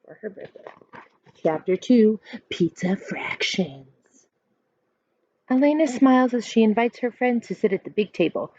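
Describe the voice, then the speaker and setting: A woman in her thirties reading a children's book aloud like a teacher, expressive and instructive, pausing to explain. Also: high-pitched, no echo. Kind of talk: read-aloud storytelling with explanations. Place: small furnished room indoors at home. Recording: dull lo-fi webcam sound.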